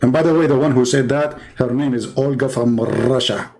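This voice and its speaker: A man's voice: medium pitch, normal speed, darkish tone, rough recording. A middle-aged man giving sarcastic commentary in broken English, reading from a website and mocking what he reads. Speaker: online religious debater.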